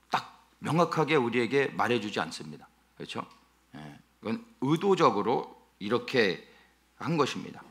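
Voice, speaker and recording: A male pastor preaching an expository sermon, emphatic and animated, often asking his listeners rhetorical questions. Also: medium pitch.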